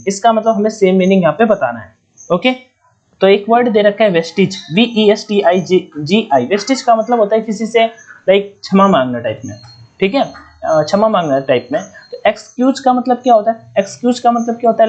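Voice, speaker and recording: A man's voice: sits high, a little mellow, muffled recording. A man from India with a Hindi accent teaching English vocabulary in an online exam-prep lesson, spelling words out letter by letter and repeating key points.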